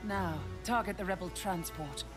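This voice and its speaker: A woman playing a cold, menacing Imperial governor in an animated series, speaking with silky, formal, measured politeness. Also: fairly low pitch, soft background music, lightly acted. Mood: cold command. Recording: loud film score behind dialogue.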